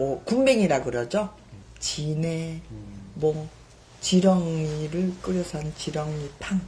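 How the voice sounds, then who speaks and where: A woman's very deep, low voice, very slow, with long, frequent pauses and lively intonation. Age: 60s. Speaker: brain tumor survivor interviewee. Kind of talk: TV interview.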